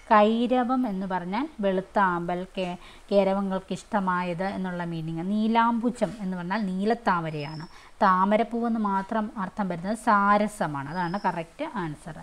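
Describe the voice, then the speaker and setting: A woman's voice: mid-range voice, normal speed. A woman teaching, going through exam questions one by one and repeating each question and answer in a conversational way. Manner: fillers and restarts, conversational.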